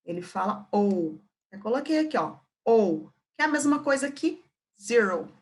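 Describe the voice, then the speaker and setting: A woman's voice: mid-range voice, big pitch swings, normal speed. A woman with a Brazilian Portuguese accent teaching an English lesson, patiently repeating words and checking in with her students.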